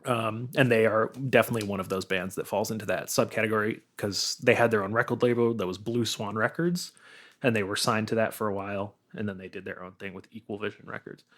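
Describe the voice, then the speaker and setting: A man's voice: fairly low pitch, steady tone, quick pace, fairly bright tone. Man guest chatting casually about music. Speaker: podcast guest.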